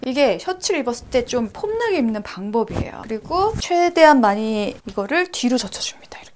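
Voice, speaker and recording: A young woman hosting a casual beauty and style vlog, giving tips in a lively, demonstrative way that often drops to a whisper. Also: on the high side, slight background noise.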